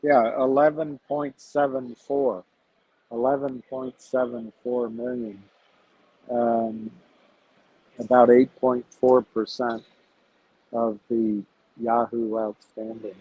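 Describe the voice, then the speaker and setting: Slow husky man on a tinny line. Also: mid-range voice, little pitch movement. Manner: measured, reflective, thinking aloud. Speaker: livestream host talking to viewers. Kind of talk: casual investing livestream chat. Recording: tinny phone-like sound.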